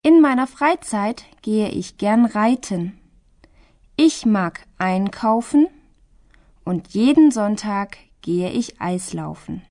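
A teenage German girl, acted by a woman speaks in a language listening exercise. Her pitch is average and her delivery is slow, deliberate and carefully articulated. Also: expressive, dark tone. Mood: plain, measured. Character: Petra, sixteen-year-old German girl introducing herself.

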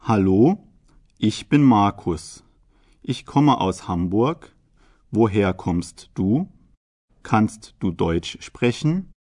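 Slow, low-voiced young German man, acted. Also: animated, darkish tone, no room sound, studio quality, exaggerated voice. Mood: plain, measured. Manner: deliberate, carefully articulated. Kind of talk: slow scripted language listening exercise.

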